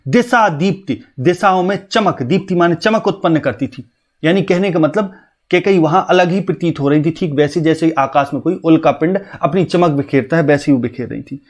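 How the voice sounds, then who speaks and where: A young man giving a lesson on a poem, his voice sitting a little higher than most men's. He reads each verse line slowly and with lift, then drops into plain explanation. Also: a little mellow. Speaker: Hindi teacher.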